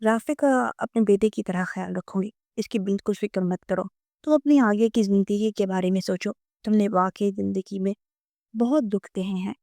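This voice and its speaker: A woman's voice: mid-range voice, creaky, mellow, no room sound, clean studio sound, lightly acted. A woman reading the part of an anxious fiancée who talks earnestly. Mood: relieved.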